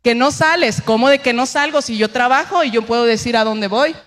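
A woman pastor preaching a lively sermon, asking the congregation questions and acting out the voices she quotes. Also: on the high side, a little fast.

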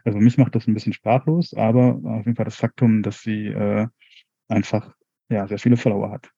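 A man's voice: on the low side, flat delivery, fairly quick, gravelly, dark tone, husky, no echo, highs cut off. A man co-hosting a podcast discussion, talking hesitantly and hedging with many fillers. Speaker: podcast co-host.

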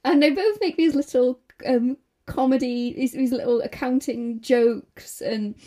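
A woman, a priest co-hosting a podcast, briskly recapping an episode in casual chat. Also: high voice, mellow.

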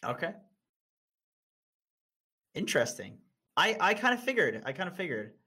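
A man's voice: on the high side, big pitch swings, moderate pace, sharp tone, husky. A young man streaming and chatting casually, blunt and laughing often, with frequent restarts.

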